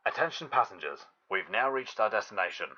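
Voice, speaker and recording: Man, flight announcement over aircraft intercom, low voice, formal, loud background noise. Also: expressive, fairly quick. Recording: dull lo-fi clip with loud noise.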